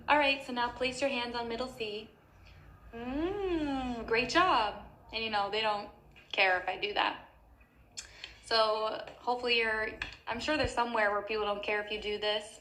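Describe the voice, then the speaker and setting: A woman's voice: mid-range voice, a bit bright, reverberant, low-quality recording. A young woman giving casual advice as a music teacher, chatty and full of fillers.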